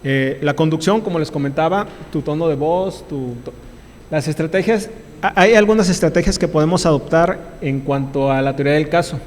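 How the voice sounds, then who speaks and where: A man's voice: fairly high pitch, moderate pace, a little mellow, long reverb tail, a little hiss or hum. A man with a Mexican accent, a labor lawyer, gives a university lecture in an emphatic, repetitive way, restarting often. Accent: Mexican Spanish. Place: lecture hall.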